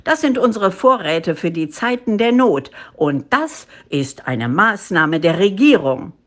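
Storybook monkey ruler, male female reader: pompous, bossy, officious, with very animated intonation. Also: lowish voice, measured pace. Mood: bossy, blustering. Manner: pompous, officious, declaiming with hesitant fillers. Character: pompous, blustering male monkey chief, self-important official.

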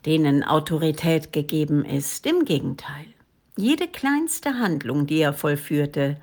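A woman reads a story aloud with soft, measured care, sometimes sinking into near-whispers. Her delivery is very slow and unhurried. Her voice sits a little low for a woman. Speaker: narrator. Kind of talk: audiobook reading.

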